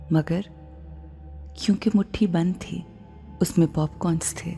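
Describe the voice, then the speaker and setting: A woman with a South Asian accent leads a guided meditation in a hushed, soothing, breathy voice, leaving long pauses. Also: fairly low pitch. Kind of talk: slow guided meditation narration. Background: faint music.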